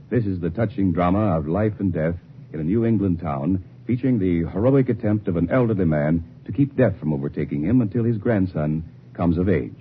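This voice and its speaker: A man's voice: low voice, narrow, tinny audio. A man reading scripted promotional announcements as a 1950s network radio announcer. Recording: thin, band-limited, hissy vintage radio recording.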